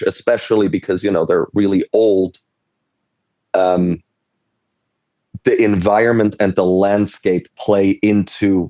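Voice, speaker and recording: Male panelist, low-pitched, rambling and chatty, dry close sound. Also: dark tone, no echo. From Switzerland. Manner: rambling, self-interrupting, laughs often. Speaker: panelist, game designer. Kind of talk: casual panel discussion.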